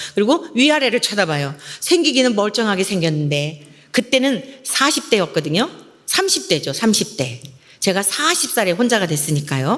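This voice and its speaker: A woman with a medium pitch speaks at a moderate pace in an animated tone, her pitch swinging very widely over noticeable background noise. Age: 60s. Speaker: pastor. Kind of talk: sermon.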